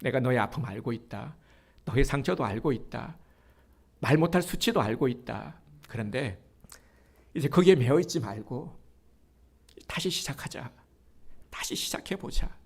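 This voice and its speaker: A man's voice: mid-range voice, measured pace, long pauses, husky. A man giving voice to a tender, pleading fatherly God. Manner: soft, coaxing and gently urging.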